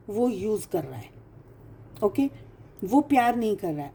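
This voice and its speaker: A woman's voice: mid-range voice, warm tone, slightly rough. Emphatic woman giving a tarot reading. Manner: emphatic, mixes English phrases into Hindi; repeats phrases for stress. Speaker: tarot reader. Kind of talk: casual tarot reading monologue.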